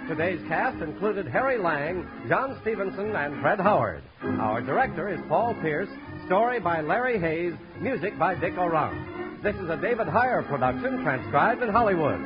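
High-pitched old-time American radio announcer, a man. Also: big pitch swings, normal speed. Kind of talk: old-time radio announcer reading credits and sponsor plugs. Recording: dull vintage radio broadcast, music behind. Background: music.

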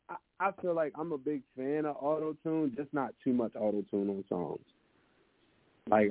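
A man with a deep voice answering interview questions about his music in a relaxed, hesitant way, with lots of fillers and restarts. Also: dry recording. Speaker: musician guest. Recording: dry, narrow phone-like sound.

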